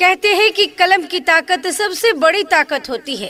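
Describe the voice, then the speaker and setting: With music in the background, a woman uses a raised, projected voice at an extremely high pitch with lively intonation. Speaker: advertisement voice-over artist. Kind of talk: school radio advertisement read. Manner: persuasive, conversational promotional tone.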